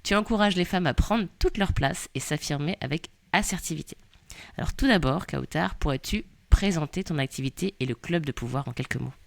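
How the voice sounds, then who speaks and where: A woman's voice: low-pitched, expressive, fairly quick, vocal fry, no echo. A woman hosting a podcast interview, reading a prepared introduction and asking her guest questions. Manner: reads a prepared introduction, then asks friendly questions. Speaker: podcast host.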